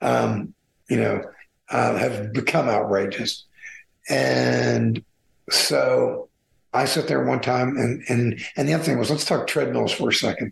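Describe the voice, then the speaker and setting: Keeping his loudness very even, a man speaks at a fairly slow pace with long, frequent pauses. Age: 60s. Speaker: author and attorney. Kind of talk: interview.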